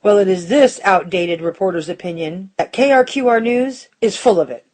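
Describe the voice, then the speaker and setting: A woman's voice: mid-range voice, darkish tone, natural voice. A woman playing a principled, defiant news reporter delivering an earnest, formal on-air editorial in an audio drama. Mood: indignant defiance. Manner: earnest, measured, rhetorical.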